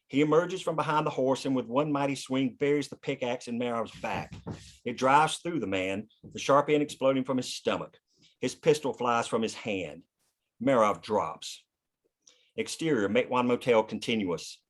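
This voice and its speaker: A man narrating scripted action and scene headings at a screenplay table read. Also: mid-range voice. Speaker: narrator reading stage directions.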